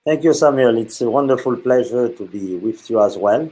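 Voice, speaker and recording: A middle-aged man from Haiti, a Catholic priest speaking earnestly about faith, pausing often and filling gaps with "uh". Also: medium pitch, warm tone, rough recording. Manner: earnest, with many pauses and fillers. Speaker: guest speaker. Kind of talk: reflective talk on faith.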